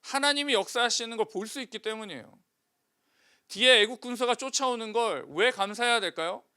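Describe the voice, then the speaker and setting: A man's voice: very high-pitched, brisk, sharp tone, smooth. A male pastor preaching a sermon, putting questions to the congregation and answering them himself.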